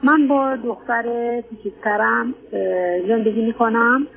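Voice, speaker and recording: An Iranian woman in her fifties or older, with a Persian accent and a slightly high, gravelly voice, phones a radio advice show to tell her personal story. She sounds hesitant and politely deferential, and the narrow-band phone line makes her sound tinny.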